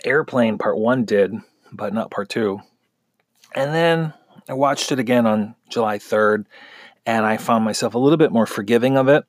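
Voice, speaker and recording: A man's voice: medium pitch, normal speed, dry recording, studio quality. A man giving a casual spoken film review, chatty and conversational, with frequent fillers and restarts.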